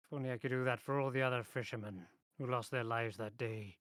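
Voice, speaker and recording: A man voicing a gruff old fisherman in a tabletop role-play, sentimental and haunted by his lost crew, talking in salty sailor phrases. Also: medium pitch, steady tone, fast, fairly bright tone, dry recording, studio quality, close to an everyday voice. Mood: mournful, regretful. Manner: gruff old-sailor talk with matey and aye.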